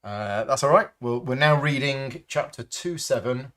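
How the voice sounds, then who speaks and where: A man's voice: medium pitch, measured pace, a bit bright. A man casually commenting while playing a board game, scattered and self-correcting.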